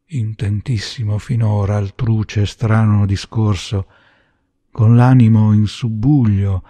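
Slow, gravelly Italian male narrator. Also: on the low side, dark tone. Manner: slow, measured, dramatic. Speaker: audiobook reader. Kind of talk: literary audiobook narration.

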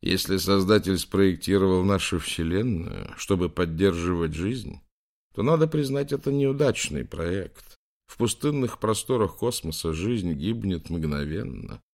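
A man voicing a male astrophysicist who dismisses the idea of design with measured irony. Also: low-pitched, darkish tone. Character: scornful male astrophysicist on old footage.

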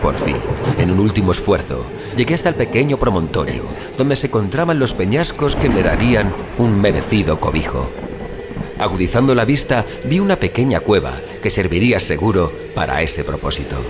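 A man's voice: fairly low pitch, very animated, fairly quick, very noisy. A man playing a weary, frightened explorer who recounts his ordeal in solemn, literary, suspenseful first-person audio fiction. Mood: desperate, exhausted. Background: music bed.

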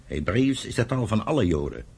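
A man's voice: lowish voice, sing-song, fairly quick, creaky, a little mellow, slightly rough, full character voice. A man playing a fiery, proud young Jewish pioneer settler in a radio drama, with an emphatic, commanding way of talking. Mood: earnest, teasing. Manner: commanding, emphatic, declamatory when roused. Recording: noisy old radio play recording.

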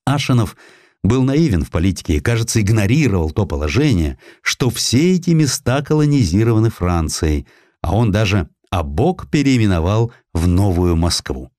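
A man reading historical prose as an audiobook narrator, in an expressive, dramatic storytelling manner. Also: lowish voice, moderate pace, dry recording, clean studio sound.

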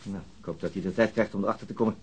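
Male detective, played by an actor, gruff, weary, fast-talking, lowish voice, radio drama. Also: a little hiss or hum, close to an everyday voice. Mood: sceptical, grim. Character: weary male police detective chatting with his woman companion. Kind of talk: naturalistic radio drama acting.

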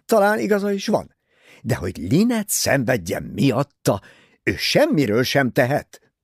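Guy doing a nervous young husband, keyed up and higher, kinda gravelly, swings all over the place. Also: no echo, clean studio sound. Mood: agitated. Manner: excited, pleading outbursts.

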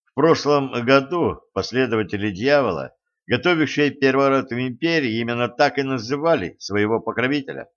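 A man's voice: medium pitch, lively intonation, a little fast, highs cut off. Man narrating an audiobook.

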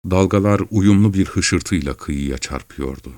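Low-voiced man reading a story. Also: dry recording. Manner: calm, measured storytelling. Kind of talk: audiobook narration.

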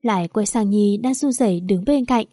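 A woman narrating a dramatic story in a steady, scripted storytelling manner. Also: medium pitch, normal speed, dry recording, studio quality.

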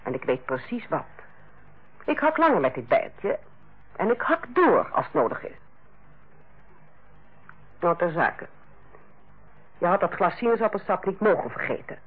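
An actress playing a stern, sarcastic head nurse who lectures and bites in a Dutch radio play. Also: female voice, lowish voice, very animated, measured pace, long pauses, breathy edge, full character voice. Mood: sarcastic, scolding. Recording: muffled old radio play recording.

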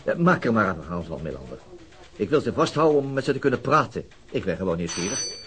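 An actor playing a probing, dry male police detective in a radio crime drama, musing and wry in a deliberate way. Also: fairly low pitch, sing-song, a bit bright.

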